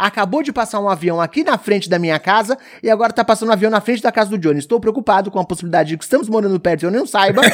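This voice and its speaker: Talking at a very fast pace with hardly any pauses, a man with a high pitch sounds animated, his pitch varying in an ordinary way, the sound dry and close with no echo. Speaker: podcast host. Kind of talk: casual chat. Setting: at home, recording remotely.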